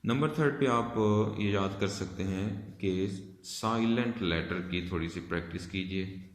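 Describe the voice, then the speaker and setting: A man's voice: low-pitched, unhurried. A man teaching an English spelling lesson, patiently explaining step by step and spelling words out letter by letter. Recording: echoey room with long reverb.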